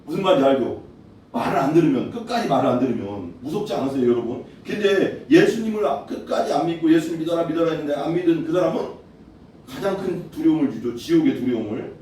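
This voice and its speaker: A man's voice: a little high, animated, fast, warm tone, a little hiss or hum. A man preaching a sermon as pastor, talking conversationally and putting questions to his congregation. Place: church hall. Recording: echoey hall, voice from far off.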